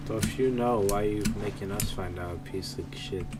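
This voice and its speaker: A man's voice: lowish voice, moderate pace. A man streaming a game, muttering offhand remarks as he plays. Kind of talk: casual gameplay commentary.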